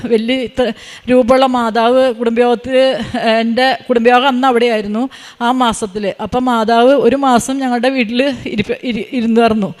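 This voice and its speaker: Fast-talking woman giving a testimony. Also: fairly high pitch, a little mellow, long reverb tail. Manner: halting, with frequent fillers and restarts. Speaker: testimony giver. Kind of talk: personal religious testimony.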